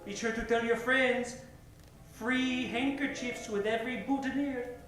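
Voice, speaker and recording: A man's voice: very high voice, fairly even intonation, unhurried, a bit bright, faint music behind. A man acting a fussy, snippy jewelry shopkeeper with an officious manner in an old-time radio comedy. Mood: indignant, dismissive. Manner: prissy, officious. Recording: echoey live stage recording.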